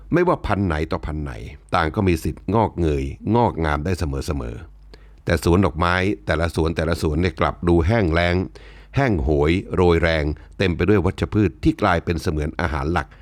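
A man delivering a reflective spoken essay in a measured, wry, unhurried way, politely closing his phrases. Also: low-pitched, no room sound. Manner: polite, ends phrases with the male particle. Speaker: commentator.

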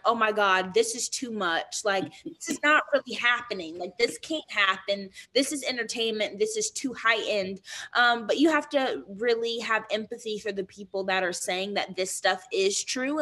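A woman's voice: mid-range voice, bright, forceful tone. A young woman speaking earnestly in a remote interview, with many ums and restarts, heard over a laptop mic on a video call. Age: young adult. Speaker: guest actor.

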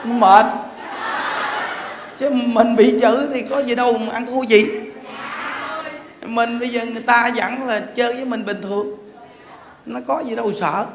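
A male monk giving a dharma talk in a lively, joking way, acting out quarrels with bursts of laughter. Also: very high voice, measured pace, pauses often, a faint crowd. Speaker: monk teacher. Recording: echoey hall with faint background noise.

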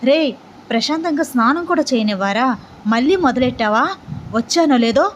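A woman voicing a calm, sarcastic young man who needles his cousin in an audio story. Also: sits high, moderate pace, slight background noise. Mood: needling.

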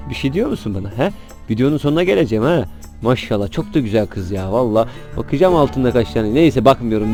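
A man's voice: a little high, darkish tone. Chatty man filming his chicken coop. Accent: Turkish. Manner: chatty, talks affectionately to his birds. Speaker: poultry vlogger. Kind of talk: casual chat to viewers while tending chickens. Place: backyard chicken coop, in and out of doors.

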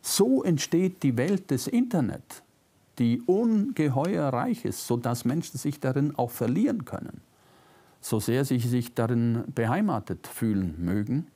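An older man with a faint Bavarian-Swabian German accent, reading a prepared lecture as a philosopher, measured and reflective, lifting his voice on key words. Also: mid-range voice, big pitch swings, mellow. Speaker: philosopher giving a public lecture. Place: lecture room, seated at a desk. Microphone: lapel mic.

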